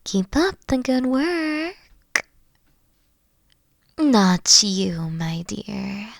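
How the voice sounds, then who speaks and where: A woman playing a mature, regal queen in an audio roleplay, teasing and flirtatious with a breathy, coy delivery and a protective streak. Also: mid-range voice, sing-song, extremely slow, dry recording, clean studio sound, full character voice. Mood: flirtatious, commanding.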